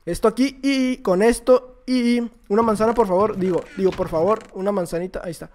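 A man with a Mexican accent giving excitable live commentary while playing a game, shouting and joking at his opponents with quick repeated exclamations. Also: high voice, slight background noise. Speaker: YouTuber playing a block-building game.

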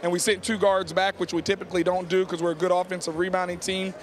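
A man's voice: high voice, level tone, quick pace. A middle-aged American man, a basketball coach, answering in a postgame interview on a handheld mic in an arena. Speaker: high school basketball coach. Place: on the court of a large indoor arena. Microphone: handheld reporter microphone held to him.

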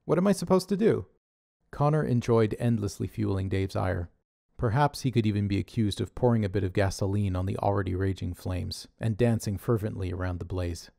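A man's voice: fairly low pitch, fairly even intonation, fairly quick, vocal fry, few pauses, dark tone, dry recording. A man narrating a scripted audio drama with dry, wry humor. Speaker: narrator and writer.

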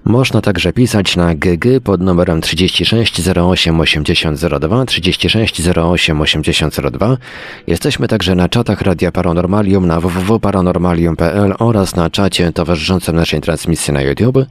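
Low-pitched man introducing a radio show. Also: brisk, no echo. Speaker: radio host and technical producer.

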